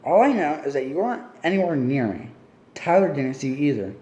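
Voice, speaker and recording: A man's voice: a little high, sing-song, moderate pace, mellow, reverberant, highs cut off. A man reading the lines of a stubborn, suspicious teenage girl who keeps pressing with questions. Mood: heated.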